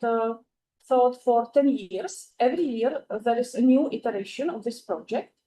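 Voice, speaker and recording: A woman with a Czech accent, a native Czech speaker, giving an academic conference talk in English, with many "uh" pauses and careful phrasing. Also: on the high side, warm tone, poor audio. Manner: frequent "uh" fillers, careful non-native phrasing. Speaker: conference presenter.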